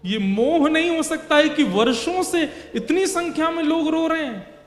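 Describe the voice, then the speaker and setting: A male preacher tells a devotional story with impassioned, repetitive build-ups. His voice is unusually high for a man, and it rings through a large echoey hall with faint music behind him. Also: lively intonation, unhurried. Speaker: religious storyteller.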